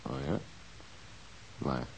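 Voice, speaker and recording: An actor playing a calm, patient police inspector in a radio drama, questioning in a measured, courteous way. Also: male voice, rough recording. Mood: calm, businesslike. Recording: faint hiss.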